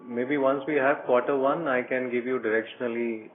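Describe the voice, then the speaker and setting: A male executive talks over a narrow, faintly noisy phone line. His delivery is flat, with little melody, as he gives careful explanations to analysts. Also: medium pitch, moderate pace. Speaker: company executive. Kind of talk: answering analyst questions on an earnings conference call.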